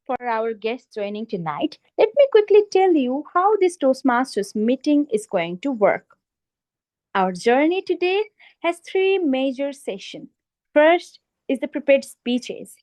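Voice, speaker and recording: A woman hosting a club meeting, giving a formal opening speech with deliberate, emphatic phrasing and rhetorical pauses. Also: high-pitched, very animated, a little mellow. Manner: emphatic, in short list-like phrases. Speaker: meeting host.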